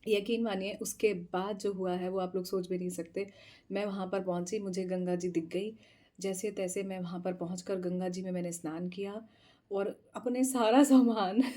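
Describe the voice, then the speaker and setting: A woman vlogger casually recounting a travel adventure, animated and laughing often, slipping English phrases into her talk. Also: medium pitch. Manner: mixes English phrases into speech. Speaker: tarot channel host.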